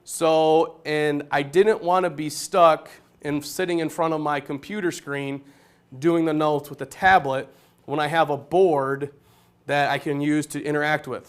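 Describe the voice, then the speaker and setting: A high school geometry teacher speaks in a loud, smooth, resonant voice that sits a little high. He lays out his classroom setup plainly, step by step, as if demonstrating it for colleagues.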